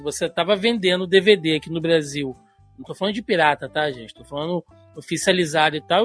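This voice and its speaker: Chatty Carioca man, high voice. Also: fairly bright tone. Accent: Carioca Portuguese. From Brazil. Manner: chatty, lots of "né" fillers, tangents. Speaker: podcast co-host. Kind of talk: casual podcast chat.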